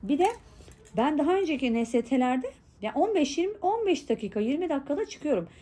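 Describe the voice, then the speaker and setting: A woman's voice: high voice, very animated, brisk, mellow. Indignant woman vlogger retelling a quarrel. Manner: indignant, quotes dialogue with constant "dedim" asides. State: pregnant. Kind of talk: casual storytelling to viewers.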